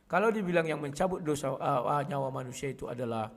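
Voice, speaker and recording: A man speaking casually to his viewers in a combative way, often clearing his throat. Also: on the high side, quick pace, in a large hall. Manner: combative, addresses listeners as "kawan", frequent throat clearing. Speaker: online video host.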